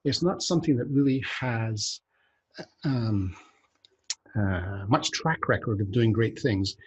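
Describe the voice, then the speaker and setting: A man's voice: lowish voice, takes it slowly, darkish tone, breathy edge. A man hosting a casual podcast chat, rambling and joking, often breaking off mid-sentence. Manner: rambling, self-interrupting, joking. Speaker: podcast host.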